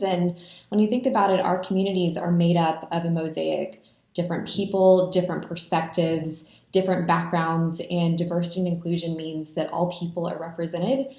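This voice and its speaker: A woman's voice: on the low side, a little mellow. Sincere woman in an echoey room. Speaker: past association president. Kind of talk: recorded congratulatory message.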